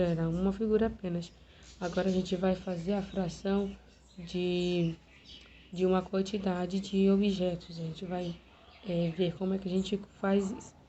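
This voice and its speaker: A woman teacher with a Brazilian Portuguese accent, hoarse from a cold, giving an online math lesson in a quiet, hesitant way with many fillers. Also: lowish voice, a little hiss or hum. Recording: dull lo-fi home video recording.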